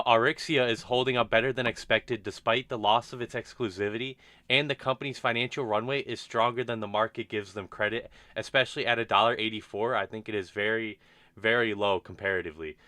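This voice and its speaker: A man's voice: medium pitch, sharp tone, no echo. A man hosting an investment channel, talking through a company's quarterly results in an unscripted, thoughtful way with frequent restarts and fillers. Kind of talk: unscripted stock analysis monologue.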